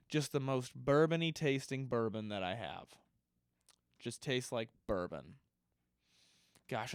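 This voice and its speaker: A man's voice: mid-range voice, no room sound, studio quality. A man hosting a podcast who is stuffy, answering listener questions in a casual, rambling way with many fillers and restarts. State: stuffy nose. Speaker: podcast host.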